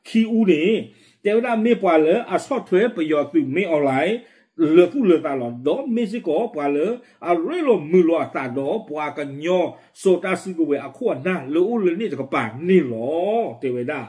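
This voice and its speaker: A man presenting and commenting on the news in a rapid, informal way, with many fillers. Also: a little high, lively intonation, a little mellow. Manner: quick, running commentary with frequent fillers.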